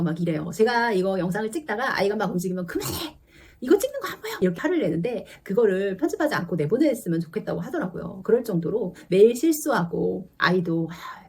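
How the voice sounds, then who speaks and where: Husky woman sharing parenting advice. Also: medium pitch, a little mellow. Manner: earnest, confiding, acts out dialogue with her child. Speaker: teacher and parenting vlogger. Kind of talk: casual parenting talk to camera.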